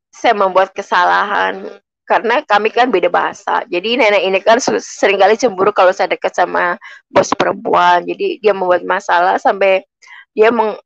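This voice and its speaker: Woman, from Indonesia, earnest testimony storytelling, raspy low fry, muffled recording. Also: dry recording. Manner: earnest storytelling, addresses listeners as friends. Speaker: testimony speaker. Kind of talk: personal faith testimony.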